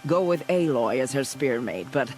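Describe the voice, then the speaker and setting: A woman's voice: a bass voice, lively intonation, moderate pace, music in the background. Stern female war chief, commanding, solemn, declamatory, tribal, video game dialogue.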